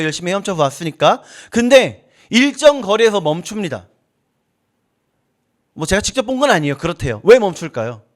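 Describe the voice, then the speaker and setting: A male pastor preaching a sermon, acting out little dialogues with God. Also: high voice. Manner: preaching, acts out dialogues with God in shifting voices. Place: church.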